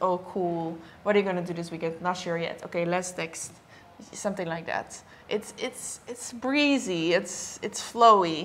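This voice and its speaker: A woman speaks with a Dutch accent and ordinary pitch variation. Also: moderate pace. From Netherlands. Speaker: vlogger. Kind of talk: casual chat. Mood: relaxed, thoughtful, sometimes amused. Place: home room.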